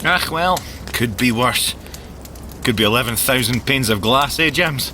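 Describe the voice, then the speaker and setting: An actor playing an excitable, grumbly young male tech-genius agent with a Scottish accent and a wry, geeky manner in an audio drama. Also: medium pitch, a little slow, a little hiss or hum. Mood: grumbling, playful. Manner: expressive, wry, boyishly geeky. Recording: music under the voice.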